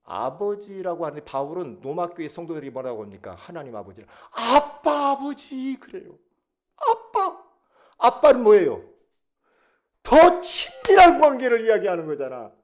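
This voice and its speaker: A male pastor preaching a sermon, leading the congregation to repeat after him and swinging from quiet asides to loud exclamations. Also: high-pitched, a little fast. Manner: lively, swings between soft asides and shouted exclamations; leads the congregation in call-and-response.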